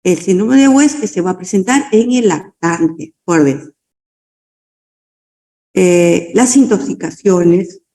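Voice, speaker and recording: Slow woman dictating a medical lecture. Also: mid-range voice, mellow, echoey room. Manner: dictating slowly, tag questions. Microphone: video call.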